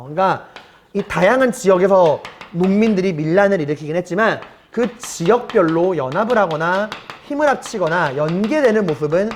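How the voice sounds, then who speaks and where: A man's voice: high-pitched, darkish tone, a little hiss or hum. A man teaching a middle school history class in a recorded online lecture, talking to his students casually and asking them rhetorical questions. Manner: switches between polite and casual speech.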